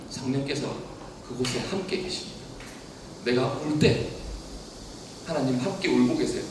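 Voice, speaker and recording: A pastor with a mid-range voice preaches a sermon in a church hall, asking the congregation one question after another. His voice sounds far off in the echoey hall, with background noise present.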